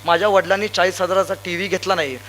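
A young man from Sangli district, Maharashtra, giving a loud, emphatic motivational stage speech full of anecdotes. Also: high-pitched, fairly even intonation, racing, slight background noise. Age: young adult. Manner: loud, emphatic, rousing, addresses crowd directly. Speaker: motivational speaker.

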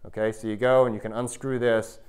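With a smooth, slightly mellow mid-range voice, flat delivery and a brisk pace, an American man in his thirties presents a public talk as a university researcher. Before an audience in an indoor lecture room, he explains emphatically and regularly checks in with them.

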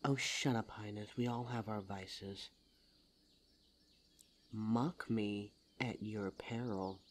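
A performer voicing a suave, teasing demon lover in an intimate ASMR roleplay audio drama, smooth-talking and formal in address. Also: mid-range voice, fairly even intonation, takes it slowly, a little hiss or hum, natural voice. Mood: petulant, greedy.

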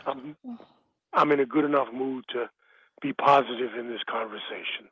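A man calling in to a radio show, in pain and speaking haltingly, husky-voiced over a phone line. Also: mid-range voice, big pitch swings, no echo. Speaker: caller. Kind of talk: radio call-in.

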